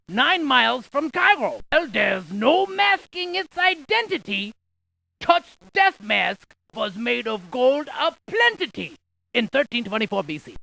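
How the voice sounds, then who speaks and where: A man voicing an excitable, quirky scientist in a video game, with a creaky voice and a folksy, jokey, exaggerated delivery. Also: very high voice, no echo, heavily acted. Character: excitable, quirky scientist tour guide, full of folksy quips. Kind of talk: cartoonish video game character lines.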